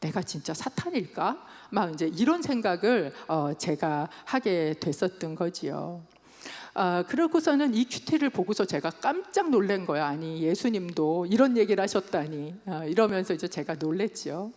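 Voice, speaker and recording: A woman's voice: fairly low pitch, expressive, moderate pace, a little mellow. A woman in her fifties, a pastor telling stories in a sermon and raising her voice when she quotes others. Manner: storytelling, quoting with raised voice. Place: church sanctuary. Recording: long hall reverb.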